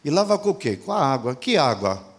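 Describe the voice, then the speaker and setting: A man preaching a sermon in a somewhat high voice. He poses rhetorical questions and answers them himself. He acts out the quoted dialogue with shifts of pitch and pace. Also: big pitch swings, fairly quick.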